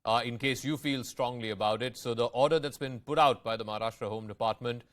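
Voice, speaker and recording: A man's voice: medium pitch, steady tone, fast talker. A man anchoring live news and moderating a debate, putting questions to reporters and guests.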